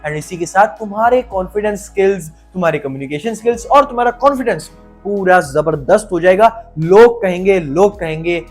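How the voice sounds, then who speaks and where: A young man giving energetic, emphatic motivational advice in a casual vlog, repeating words for stress and using slang. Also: high voice, normal speed, faint music behind. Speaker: self-improvement YouTuber.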